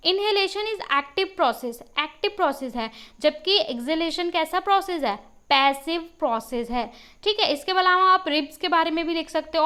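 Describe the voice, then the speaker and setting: A woman teacher with a sore throat reads English worksheet lines slowly, then explains them step by step, often asking students questions. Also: high-pitched, a bit bright. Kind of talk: worksheet lesson for school students.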